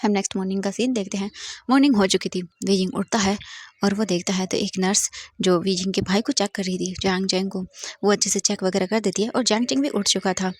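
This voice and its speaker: A woman's voice: mid-range voice, fairly even intonation, fast, dry recording. Woman storyteller, casual retelling, dry and close. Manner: plain narration mixing English words. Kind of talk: casual retelling of fan fiction.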